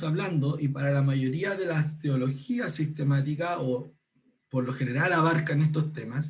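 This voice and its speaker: The man's fairly high voice moves at a fairly slow pace with ordinary pitch variation, and room echo is audible. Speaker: bible teacher. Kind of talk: online workshop lecture. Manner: many fillers and repetitions.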